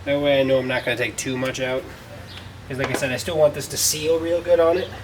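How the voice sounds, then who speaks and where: A man's voice: mid-range voice, steady tone, fast talker. Distant, noisy man's voice narrating DIY work. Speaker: DIY car tutorial host. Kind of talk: casual how-to narration while working. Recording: distant mic, clearly noisy, vehicle ambience.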